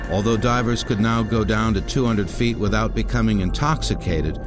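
A man with an American accent reading scripted documentary narration as the narrator. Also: medium pitch. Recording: music bed under narration.

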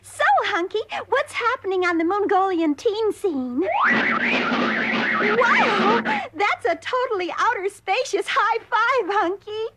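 A woman voicing a bubbly, excitable teenage girl in a space-age cartoon, gushing in slangy teen enthusiasm. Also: very high-pitched, slow pace, heavy background noise, exaggerated voice. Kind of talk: animated cartoon voice acting. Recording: cartoon soundtrack with loud music behind.

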